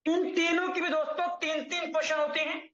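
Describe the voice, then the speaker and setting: In an echoey room with dull, lo-fi audio, a man briskly explains an earning plan in an extremely high, bright, forceful voice with little pitch movement. He repeatedly calls his viewers friends and corrects his numbers as he goes.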